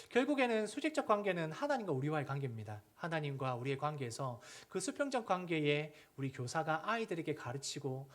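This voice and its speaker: A middle-aged man preaches a sermon in a slightly high, very lively voice. He keeps asking his listeners questions. He also acts out little scenes with children and parents. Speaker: pastor.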